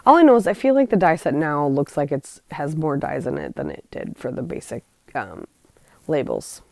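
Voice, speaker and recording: Low-voiced woman rambling about crafts. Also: big pitch swings, moderate pace, creaky, a little mellow, no room sound. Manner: rambling, chatty, trails off and corrects herself. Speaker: scrapbooking channel host. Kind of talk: casual craft voice-over.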